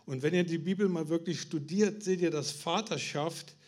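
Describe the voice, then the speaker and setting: A man's voice: a little high, normal speed, darkish tone. German man preaching a sermon. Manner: addresses the congregation with questions, rising in emphasis; restarts and stumbles on words.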